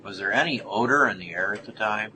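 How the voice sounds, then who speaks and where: Bright, crisp-edged male investigator played by a man. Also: fairly low pitch, a little fast, a little hiss or hum, rough recording. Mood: curious, polite. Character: inquisitive, observant male Bigfoot researcher assisting an interview. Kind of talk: amateur audio drama acting.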